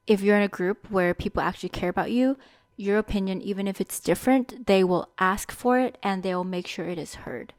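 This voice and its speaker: A woman's voice: medium pitch, no echo, clean studio sound. A young woman hosting a solo podcast, talking candidly and thinking aloud about what she has learned. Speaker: podcast host. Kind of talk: solo reflective podcast monologue.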